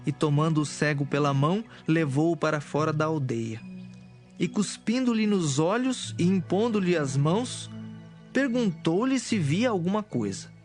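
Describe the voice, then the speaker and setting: Higher-voiced male Bible narrator over music. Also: animated, measured pace, darkish tone.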